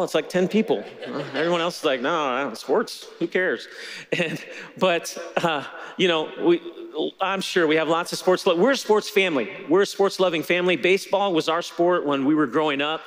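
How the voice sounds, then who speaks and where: A middle-aged man preaching a sermon from a church stage on a headset mic, telling stories in a relaxed conversational way. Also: fairly high pitch, in a large hall. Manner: conversational storytelling with laughter. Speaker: pastor.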